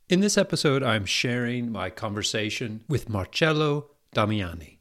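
A man hosting a podcast, reading a measured, formal introduction and then interviewing his guest. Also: mid-range voice, fairly bright tone. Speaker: podcast host.

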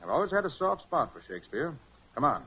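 An actor playing a confident, sharp-witted American private detective in a 1940s radio drama, brisk and articulate. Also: male voice, on the high side, sing-song, husky, full character voice. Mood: brisk, amused. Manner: brisk, self-assured, articulate. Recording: muffled, noisy 1940s radio recording.

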